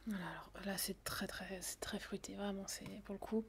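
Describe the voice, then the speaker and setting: Softly whispering woman, even-toned. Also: medium pitch, moderate pace, creaky, very noisy. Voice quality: soft whisper. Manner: hesitant, many fillers. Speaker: perfume saleswoman in a roleplay. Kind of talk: whispered ASMR roleplay.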